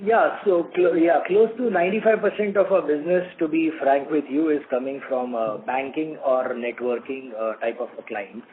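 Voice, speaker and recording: An Indian-accented man answers investors as a company executive. His voice sits a little high and he explains haltingly. The line is phone-like, with a faint layer of noise. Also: steady tone. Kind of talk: earnings call answers. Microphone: conference call phone line.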